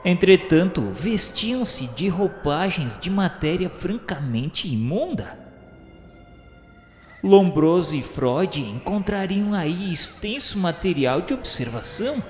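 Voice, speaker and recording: An earnest male spirit pupil narrates a dark journey for a radio drama. His delivery is slow, solemn and literary. The voice rings with heavy echo over music. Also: high voice, very animated, full character voice. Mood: grave, awed. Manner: solemn, deliberate, formal. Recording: echoey long reverb with music behind.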